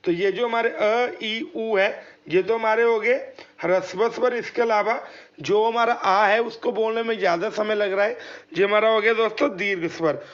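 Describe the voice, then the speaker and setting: A man's voice: high-pitched, steady tone, moderate pace, a bit bright, lo-fi sound. A man teaching an exam prep lesson, explaining step by step, asking questions and answering them himself, and sounding out letters for his listeners. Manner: addresses listeners as friends and demonstrates sounds aloud.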